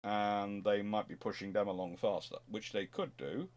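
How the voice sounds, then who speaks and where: A man hosting an unscripted history talk, answering questions in a rambling, halting way as he thinks aloud. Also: fairly low pitch, steady tone. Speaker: host answering audience questions.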